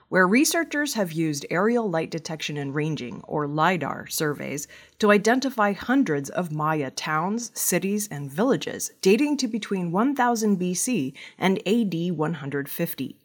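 Female newsreader, scripted bulletin, measured pace, lively pitch. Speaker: news reader. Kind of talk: scripted news reading.

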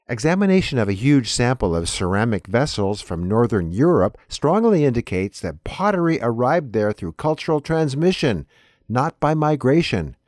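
Male host reading scripted promos, animated pitch, dry booth sound. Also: no room sound. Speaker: show host. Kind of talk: scripted announcements.

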